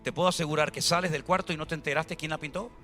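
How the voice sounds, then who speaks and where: Bright, high-voiced Spanish preacher man. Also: rapid-fire, faint music behind. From Spain. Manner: lively, colloquial storytelling with acted-out dialogue. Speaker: pastor. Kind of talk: sermon.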